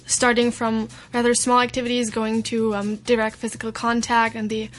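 Young woman speaking in measured tones. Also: on the high side, monotone. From Turkey. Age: young adult. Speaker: student guest.

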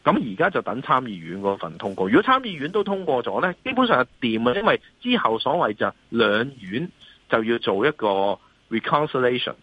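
Husky Hong Kong man, dull call line. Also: medium pitch, big pitch swings, a little fast, dry recording. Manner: emphatic, repeatedly seeks agreement with rhetorical questions. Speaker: financial analyst and columnist, guest. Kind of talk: off-the-cuff market commentary in an interview.

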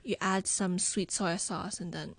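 A woman's voice: on the low side, fairly even intonation, measured pace, dry recording. A woman from Hong Kong, a regular guest on a radio show, cheerfully explaining local food. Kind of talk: casual radio chat. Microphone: studio microphone.

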